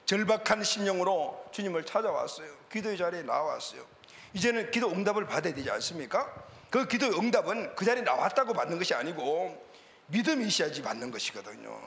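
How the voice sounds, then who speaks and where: High-pitched, lively male preacher. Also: quick pace, vocal fry. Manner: animated preaching with call-and-response amens. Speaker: pastor. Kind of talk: sermon. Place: church sanctuary. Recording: reverberant church hall.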